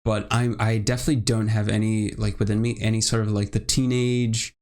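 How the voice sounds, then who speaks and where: A man's voice: lowish voice, flat delivery, brisk, a little mellow. A young man from Brazil with a mixed British and American accent, hosting an interview show in a chatty, rambling way. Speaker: host. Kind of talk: casual interview chat.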